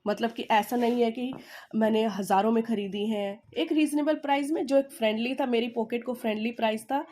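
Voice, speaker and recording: A woman's voice: on the high side, fairly even intonation, darkish tone. A woman with an Indian accent teaching English in Hindi, explaining with repetition and checking in with "okay?". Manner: slow, stressed dictation when reading English sentences. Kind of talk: Hindi-English language lesson.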